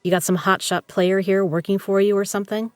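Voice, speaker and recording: A woman's voice: medium pitch, little pitch movement, fairly quick, no echo, close to an everyday voice. A woman playing a tough, guarded poker legend in an audio drama, with a blunt, sardonic way of talking. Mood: cold, defiant.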